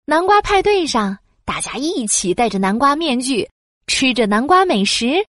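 Expressive woman storyteller. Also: high-pitched, normal speed, no room sound, studio quality. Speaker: narrator. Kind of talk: scripted children's story narration.

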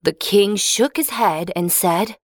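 A woman with a medium-pitched voice tells a fairy tale for children, her delivery clear and expressive like a storybook reader. She speaks slowly, and the close recording is completely dry.

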